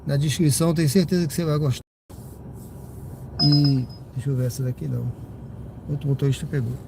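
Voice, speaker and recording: A man's voice: on the high side, flat delivery, fairly quick, vocal fry. Slightly stuffy-nosed chatty man driving. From Brazil. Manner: rambling, chatty, lots of tag questions to viewers. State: slightly congested from a cold. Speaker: rideshare driver streaming live. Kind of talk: casual live-stream chat while driving. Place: inside a car driving at night. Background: car and road noise.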